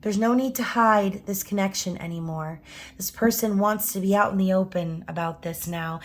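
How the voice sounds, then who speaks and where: Woman, hoarse and raspy, giving a chatty, loose tarot reading full of "right?" asides. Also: mid-range voice, moderate pace. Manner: chatty, frequent "okay?" and "right?" tags, casual swearing. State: hoarse, scratchy voice. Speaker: tarot reader.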